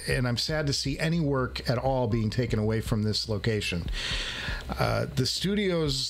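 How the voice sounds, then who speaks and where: A man hosting a headphone review show, chatting casually and excitedly to viewers, joking and repeating phrases for emphasis. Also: mid-range voice, a little hiss or hum. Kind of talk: casual unboxing vlog talk to viewers.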